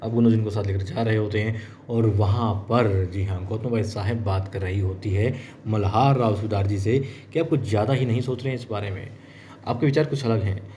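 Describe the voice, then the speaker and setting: A man tells the story of a TV episode in a casual, chatty way, turning to his viewers as friends and acting out what the characters say. His voice is warm and somewhat low, with a faint noise in the background. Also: a little fast. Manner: chatty, addresses viewers as friends, acts out quotes. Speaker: TV serial episode recapper.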